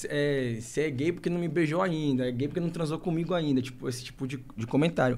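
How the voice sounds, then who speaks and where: Here is a man with a normal speaking voice, pitched fairly high. He moves at a fairly quick pace with ordinary pitch variation. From Bahia, Salvador. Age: 20s. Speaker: reality TV contestant. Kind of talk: casual interview.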